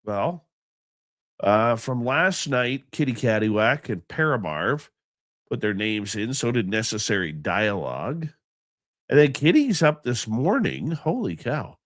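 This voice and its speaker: A man's voice: mid-range voice, a bit bright, no room sound, studio quality. Stuffy-nosed sleepy male radio host. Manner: rambling, chatty, affectionate with viewers. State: congested, stuffy nose; sleepy, just woken up. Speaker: host of a live call-in radio stream. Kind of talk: casual live show chat, reading out chat names.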